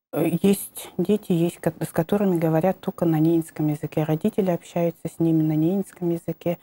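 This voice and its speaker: In a dark, mellow tone, a woman with a fairly low pitch speaks in a monotone, flat intonation. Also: fairly quick pace, hardly any pauses. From Nenets Autonomous Okrug, Russia. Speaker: regional government official. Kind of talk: studio interview. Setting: studio. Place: studio. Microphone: lapel.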